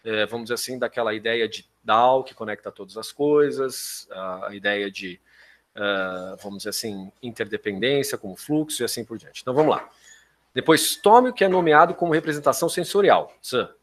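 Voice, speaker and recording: A man with a Brazilian accent lectures like a university professor. He explains step by step, often checking that listeners follow, and corrects himself as he goes. His pitch sits in the middle for a man, and he slips into informal asides. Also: fairly quick, a bit bright. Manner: didactic, frequent check-in questions to listeners.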